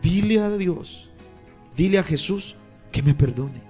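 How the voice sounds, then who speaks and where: A man's voice: on the high side, expressive, measured pace, mellow, soft background music. A man quoting a demon in a teenage girl that begs for forgiveness and cries out in worship. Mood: begging. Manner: pleading, crying out for forgiveness. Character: weeping demon in a teenage girl, deep voice, pleading.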